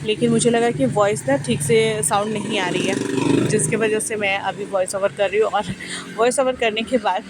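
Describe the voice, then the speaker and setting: A woman in her thirties, a vlogger, doing a chatty, rambling voice-over for her vlog, talking quickly. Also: medium pitch, background noise. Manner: chatty, rambling, talks fast.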